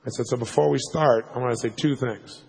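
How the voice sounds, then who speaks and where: A man telling a story to a live audience as a motivational speaker, fast and punchy, checking in with "right?" asides. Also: medium pitch, steady tone, gravelly, a little mellow, slightly rough. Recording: long hall reverb.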